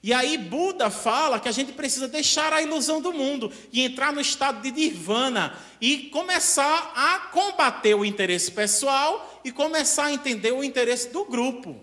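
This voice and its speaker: A man with a Brazilian accent giving a spiritist lecture in an animated, conversational way, with frequent questions to the audience. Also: extremely high pitch, normal speed, hardly any pauses.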